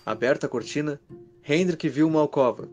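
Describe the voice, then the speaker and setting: A man's voice: on the high side, fairly quick, a little mellow. Man narrating horror over music. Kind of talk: scripted horror story narration.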